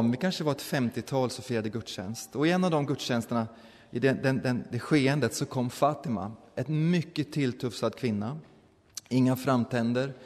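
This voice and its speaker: A man's voice: mid-range voice, darkish tone. Man preaching in a reverberant church. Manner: conversational, with restarts and quoted voices. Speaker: pastor. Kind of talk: sermon storytelling. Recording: church hall with long reverb.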